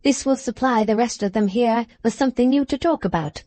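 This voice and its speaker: A woman voicing a stern, unyielding older mother, a widow in a wheelchair, who speaks in a slow, measured way. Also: fairly high pitch, mellow, no echo, natural voice.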